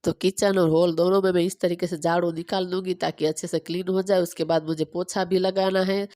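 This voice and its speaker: A woman in her thirties from Gujarat, native Gujarati speaker, chatting quickly through a home cooking and cleaning vlog on a phone camera. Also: lowish voice, flat delivery, mellow, no echo. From Gujarat, India. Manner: fast-talking, chatty step-by-step explaining. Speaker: vlogger.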